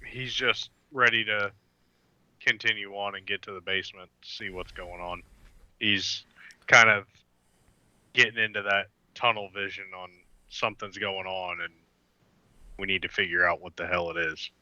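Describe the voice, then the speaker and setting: Bright, dry-sounding man playing a tabletop game. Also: low voice, fairly even intonation, normal speed, long pauses, no room sound, low-quality recording. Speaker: player.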